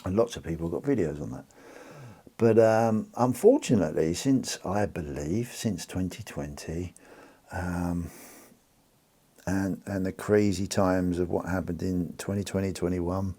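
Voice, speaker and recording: A man's voice: low-pitched, unhurried, dark tone. A British man hosting a precious metals channel, chatting casually and rambling with lots of restarts. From United Kingdom. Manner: rambling, restarts and fillers, informal. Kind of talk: casual chat to camera.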